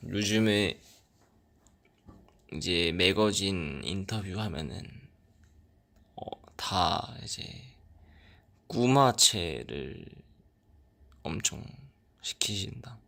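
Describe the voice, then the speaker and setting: A young man with a very low, gravelly voice talks slowly and unhurriedly to his fans. He sounds tired from lack of sleep. His delivery is soft-spoken, often trailing off into a whisper. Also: expressive. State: sleep-deprived. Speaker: idol on a fan livestream. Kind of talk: casual livestream chat reading fan comments.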